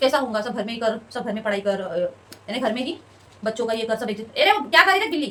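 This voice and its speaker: Lively intonation marks this woman's speech, heard over noticeable background noise. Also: fairly high pitch for a woman. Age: 30s. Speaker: family vlogger, single mother. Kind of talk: emotional personal vlog monologue.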